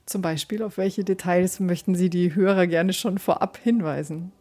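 Woman interviewer with a warm mellow voice, asks long careful questions. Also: lowish voice, normal speed. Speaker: radio interviewer.

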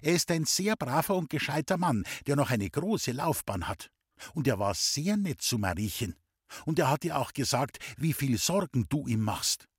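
A man's voice: mid-range voice, big pitch swings, normal speed, husky, dry recording, studio quality. A man voicing a stern, easily upset mother who scolds her son in a storybook reading. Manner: scolding, raised and agitated.

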